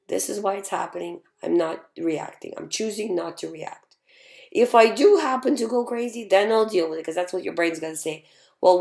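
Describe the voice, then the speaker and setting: A woman hosting a live show and answering viewer questions in a calm, reassuring way, her voice still hoarse from having lost it. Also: lowish voice. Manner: calm, reassuring, repeats key points. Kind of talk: casual advice talk.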